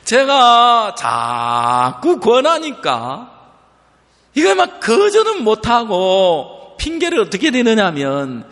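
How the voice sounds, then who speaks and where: A man preaching a sermon, telling a story and acting out the people in it in lively voices. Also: sits high, slow pace. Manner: animated storytelling, acting out an elderly mother's stubborn replies. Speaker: pastor. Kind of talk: sermon with acted-out anecdotes. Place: church sanctuary. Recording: long reverb of a church hall.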